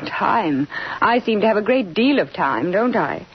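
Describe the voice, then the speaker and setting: A wistful mistress, hugely swooping pitch. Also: female voice, sing-song, a little slow, breathy edge, heavily acted. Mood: wistful longing. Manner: melodramatic, yearning. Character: wistful, wounded young mistress of a married man. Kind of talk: old-time radio drama acting. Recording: dull, faintly noisy old radio recording.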